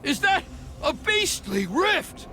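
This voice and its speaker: An actor playing a stern, formal tribal leader in an anime game, emphatic and dramatic. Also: male voice, very high-pitched, big pitch swings, slow, bright, forceful tone, a little hiss or hum, full character voice. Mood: shocked. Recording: background music under the voice.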